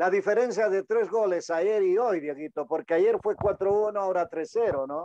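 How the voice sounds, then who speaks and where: A man's high voice, fairly slow and with hardly any pauses, dark and mellow in tone, with ordinary pitch variation and a dry, close sound free of echo. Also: quiet background. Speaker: football analyst. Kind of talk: live sports commentary. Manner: opinionated, conversational.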